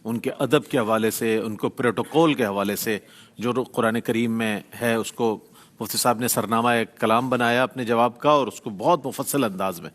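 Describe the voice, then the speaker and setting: Affirming male talk show host. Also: medium pitch. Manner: affirming interjections, summarizes the guest. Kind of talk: religious talk show hosting.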